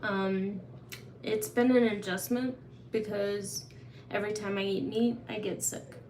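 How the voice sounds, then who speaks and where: A woman's voice: mid-range voice, fairly even intonation, measured pace, a little mellow. A chatty woman hosts a casual livestream Q&A. Her voice stays fairly level with little rise and fall. The room is echoey, with a faint hum of ambience behind her. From Oklahoma. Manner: chatty, open, answers viewers' questions. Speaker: livestream host. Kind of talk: casual live Q&A.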